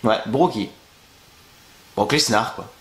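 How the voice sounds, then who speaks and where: A man's voice: lowish voice, slow pace, fairly bright tone, reverberant. A young man with the flu, congested and worn out, ranting crudely and sarcastically to the camera in a wrestling review. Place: at home, in a bedroom. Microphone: camera facing him.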